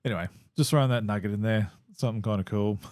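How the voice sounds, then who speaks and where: A man hosts his own podcast in a loose, rambling way, full of ums and false starts. His voice sits a little low and is hoarse from overuse. The sound is dry and close, with no room echo. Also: fast, a little mellow. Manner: rambling, lots of fillers and restarts. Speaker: podcast host. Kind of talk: casual solo podcast chat. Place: home.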